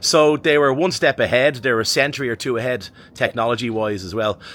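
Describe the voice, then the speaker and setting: A man speaks with a North Dublin accent at a moderate pace. The recording is very clean, with a silent background. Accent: North Dublin Irish. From Ireland. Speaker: history vlogger. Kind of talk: casual conversational vlog.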